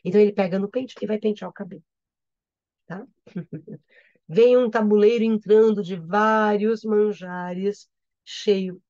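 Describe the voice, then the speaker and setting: A woman's voice: mid-range voice, steady tone, unhurried, pauses often, dark tone, dry recording. Brazilian lady teacher going through a poem, keeps asking tá?, kinda dull lo-fi audio. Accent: Brazilian Portuguese. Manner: repetitive, checks understanding with "tá?". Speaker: literature teacher. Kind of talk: reading and explaining a poem in a lesson.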